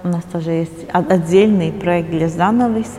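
A woman's voice: lowish voice, moderate pace, mellow, a little hiss or hum. Woman tour guide in a reverberant hall. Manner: hesitant non-native Russian phrasing. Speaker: museum guide.

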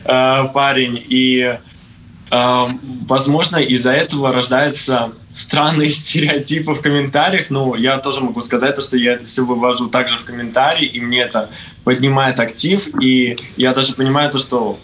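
A man's voice: medium pitch, steady tone, normal speed, a bit bright, a little hiss or hum, rough recording. A young man talking casually about himself as an interview guest. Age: young adult. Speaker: TikTok content creator, guest.

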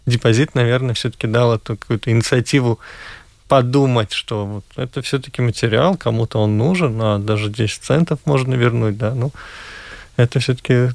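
A man who is a studio guest from a waste management company, giving thoughtful, measured answers in a radio interview. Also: medium pitch, gravelly, a little mellow, no room sound.

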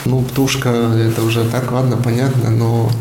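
Young priest talking in an echoey church. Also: male voice, medium pitch, flat delivery, normal speed, darkish tone. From Latvia. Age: young adult. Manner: explanatory, searching for words. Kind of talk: interview conversation. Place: inside a church. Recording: echoey church with faint noise.

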